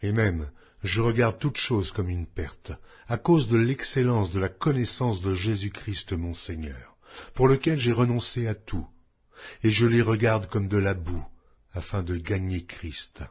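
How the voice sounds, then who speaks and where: A man reading scripture as a scripted audiobook narration, in a solemn, measured and declamatory way. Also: lowish voice, husky. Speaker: Bible narrator. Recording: dull, lo-fi audio.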